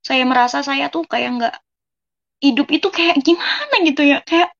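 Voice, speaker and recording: A woman's voice: high-pitched, moderate pace, vocal fry, fairly bright tone, dull audio. A young woman from West Java giving a casual personal testimony, earnestly talking to her listeners as friends. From West Java, Indonesia. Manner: earnest, keeps addressing listeners as friends, acts out dialogue. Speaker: testimony speaker.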